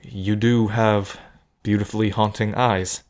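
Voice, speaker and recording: Earnest male gambler, played by an actor, lowish pitch, awkward and protective, natural audio drama read. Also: level tone, a little slow, close to an everyday voice. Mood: flustered, tender.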